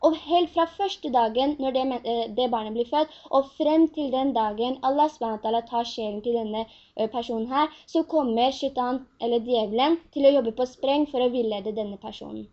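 A woman's voice: on the high side, hardly any pauses. A woman teaching a Quran class, earnest, often asking her students questions. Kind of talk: religious lesson in Norwegian. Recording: dull lo-fi recording.

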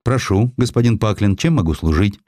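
A man's voice: fairly low pitch, animated, brisk, mellow, no echo, studio quality. A man voicing a harried, courteous publisher in an audiobook, with formal and theatrical manners. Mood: polite, puzzled. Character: harried, polite male publisher, formal and anxious.

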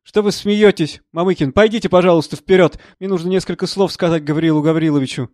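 A man's voice: high-pitched, quick pace, darkish tone, no echo, studio quality, close to an everyday voice. A man reading a distraught, pleading professor's wife. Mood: bossy. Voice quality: tearful, pleading.

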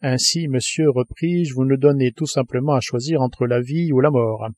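A man's voice: medium pitch, moderate pace, darkish tone, no room sound, close to an everyday voice. A man reading the lines of an earnest, indignant male scientist held captive, in an audiobook.

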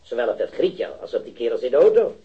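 A man's voice: mid-range voice, sing-song, dull audio, natural voice. An actor playing a hesitant male eyewitness in his thirties who stammers and repeats himself, in a radio drama. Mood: unsure, rambling. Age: 30s. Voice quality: halting, stammering, repeats words. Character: hesitant male metal worker, early thirties, eager eyewitness. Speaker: eyewitness to a robbery. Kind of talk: 1970s radio drama acting.

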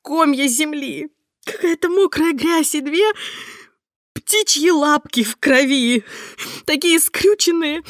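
Brief: woman playing a panicked heroine yelling through tears, loud and very high, dry close sound. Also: takes it slowly, long pauses, no room sound. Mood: panicked, tearful. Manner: shrill, shouting, near tears. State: sobbing. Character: frightened, hysterical young woman on the phone.

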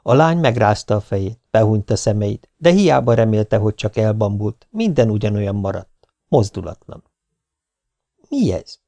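Gravelly, warm male audiobook narrator. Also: lowish voice, no echo. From Hungary. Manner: steady, measured storytelling. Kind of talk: scripted narration.

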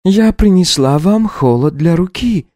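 A man voicing a young female servant who speaks in a polite, measured way. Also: high voice, lively intonation, warm tone, no echo, studio quality, voice pushed up. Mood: gentle.

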